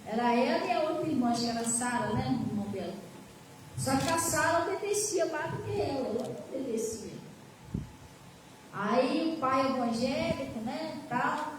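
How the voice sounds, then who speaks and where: A woman's voice: high-pitched, lively intonation, normal speed. A woman pastor preaching a sermon, telling a story emphatically and turning to the congregation. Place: church hall. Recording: echoey hall from far off, faint noise.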